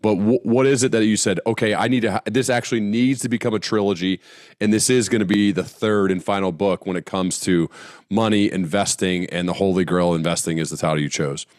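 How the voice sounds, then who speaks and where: Very deep-voiced male podcast host, dry sound. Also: steady tone, a little fast, darkish tone, no echo. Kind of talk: conversational interviewing.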